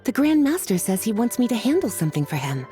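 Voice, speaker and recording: A woman voicing a relaxed adult woman mage who teases fondly, in a video game. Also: fairly high pitch, fast. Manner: languid, affectionately teasing. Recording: game audio with faint music.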